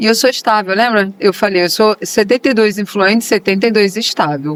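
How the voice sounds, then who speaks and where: A moderate pace amid noticeable background noise. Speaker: business trainer and speaker. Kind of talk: podcast interview. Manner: animated, very expressive.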